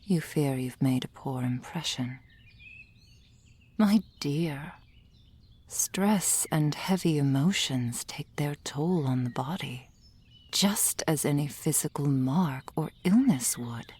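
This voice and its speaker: A woman voicing a gentle female soul healer in an ASMR roleplay, whispering softly and soothingly into a close microphone. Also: low-pitched, expressive, exaggerated voice. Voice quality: breathy whisper. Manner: soft whispering, slow and soothing. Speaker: ASMR performer.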